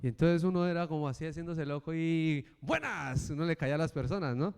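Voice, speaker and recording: A middle-aged male preacher giving a sermon and telling a personal story with animated, acted-out voices. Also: a little high, fast, clean tone. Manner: animated storytelling, acting out the characters. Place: church. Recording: reverberant church hall.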